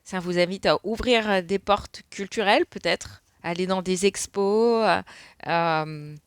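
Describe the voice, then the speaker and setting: A woman's voice: mid-range voice, measured pace, clear, resonant tone, dry recording, clean studio sound. A middle-aged woman giving a casual spoken card reading, rambling with many fillers. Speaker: tarot card reader.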